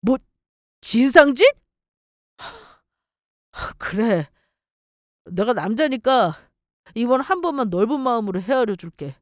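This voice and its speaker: A woman's voice: on the high side, expressive, slow pace, pauses often, no room sound, clean studio sound. A woman voicing a stingy, condescending young boyfriend in a dramatized story narration. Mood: smug, exasperated.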